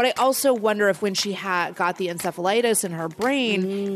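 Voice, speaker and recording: A woman's medium-pitched voice with lively intonation and a fairly quick pace over noticeable background noise. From Indonesia. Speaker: writer and comedian. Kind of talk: casual chat.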